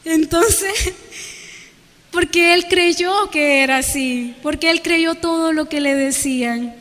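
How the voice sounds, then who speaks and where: A woman preaching a fervent sermon in church, her voice pitched high. She keeps turning to the congregation with rhetorical questions and calls them brothers and sisters. Her words ring out with the long reverb of a church hall. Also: takes it slowly, fairly bright tone. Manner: addresses listeners as brothers and sisters. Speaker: guest preacher. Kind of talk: evangelical sermon.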